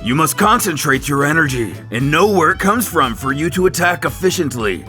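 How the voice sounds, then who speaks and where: A man's voice: fairly high pitch, animated, normal speed, pushed and bright, soft background music, pitched above the performer's own voice. A man voicing a stern, exasperated older-brother alien warrior who scolds and commands in a dramatic narration. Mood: instructing.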